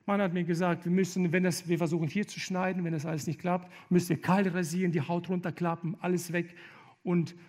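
A man preaching with fervor, his voice pitched high and carrying a gravelly edge. He builds to loud, emphatic appeals and often stumbles into halting restarts, mixing sermon with personal testimony.

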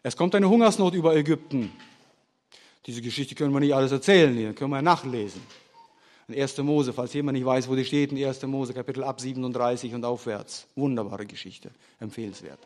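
A man preaching a sermon, telling stories in an animated way and asking rhetorical questions. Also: medium pitch, fairly quick.

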